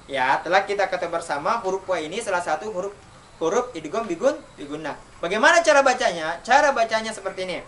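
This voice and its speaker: A man with an unusually high voice teaches young pupils how to recite, posing questions and answering them himself. He draws out each example in a slow chant. He sits away from the mic, with a faint hiss in the background. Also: animated, fairly bright tone, recorded from a distance. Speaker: elementary school Quran recitation teacher. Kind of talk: online tajwid lesson for children.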